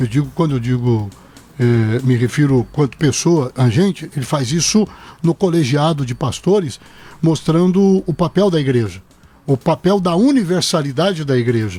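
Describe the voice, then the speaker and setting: Dark and mellow in tone yet somewhat breathy, a man speaks at fairly high pitch and a moderate pace with lively intonation and very even loudness. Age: 60s. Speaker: pastor. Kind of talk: radio interview.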